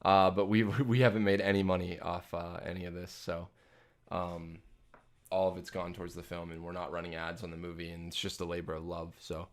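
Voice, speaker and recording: A man's voice: low-pitched, little pitch movement, a little fast. A young man hosting a casual live Q&A, reading out chat questions and answering in a rambling way with lots of ums and restarts. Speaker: livestream host answering chat. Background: jazz playing from a phone.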